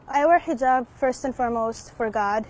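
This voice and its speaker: A young woman who speaks in a reflective, measured way about her personal choices. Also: on the high side. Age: young adult. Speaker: university student interviewee.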